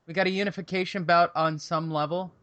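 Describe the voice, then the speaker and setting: A man's voice: high voice, steady tone, brisk, fairly bright tone, no room sound. A man hosting a casual boxing chat, skeptical and pushing back with questions. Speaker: show host.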